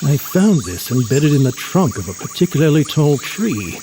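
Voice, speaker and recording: An actor playing a courtly, erudite mutant scientist in an audio drama, with a verbose, formal and genial manner. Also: male voice, a little high, sing-song, moderate pace, warm tone, a little hiss or hum. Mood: genial, pompous.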